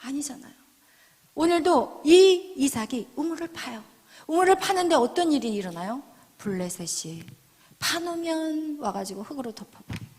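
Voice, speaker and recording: A woman pastor giving a dramatic sermon, acting out little scenes and swinging between shouts and soft whispers. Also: high voice, lively intonation, moderate pace. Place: church sanctuary. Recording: church hall reverb.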